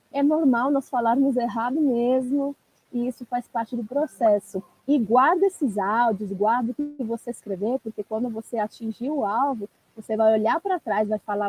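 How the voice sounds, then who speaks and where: A woman's voice: on the high side, a little mellow, slightly rough, rough recording. A woman, a language teacher giving encouraging, direct advice in a live-stream coaching talk.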